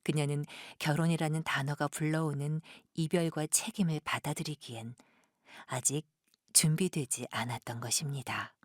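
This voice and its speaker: A woman's voice: deep voice, steady tone, moderate pace, breathy edge. A woman narrating an audio drama from a script as a storyteller.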